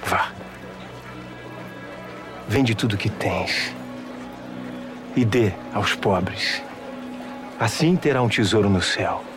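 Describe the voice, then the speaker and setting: An actor playing a calm, gentle male teacher in a dramatized Bible scene, speaking in a measured, instructive way. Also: fairly low pitch. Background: music.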